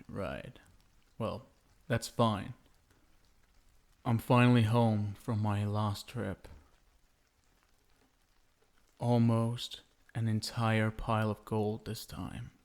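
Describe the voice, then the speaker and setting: A man playing a possessive, sinister yet doting vampire husband in an intimate ASMR roleplay, coaxing with endearments and lingering pauses. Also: lowish voice, fairly even intonation, darkish tone. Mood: smug, savoring.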